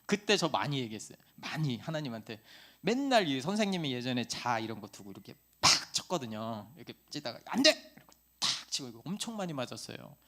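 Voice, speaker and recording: Middle-aged male pastor, conversational sermon delivery, lively rhetorical questions, mid-range voice. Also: mid-range voice, fairly quick, hardly any pauses.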